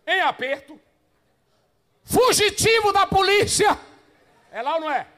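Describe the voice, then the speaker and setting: A man preaching in a high, bright voice. His delivery is highly animated, leaping from shouted lines to quiet asides. He keeps asking the congregation rhetorical questions. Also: unhurried. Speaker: pastor. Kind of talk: Pentecostal-style preaching to pastors.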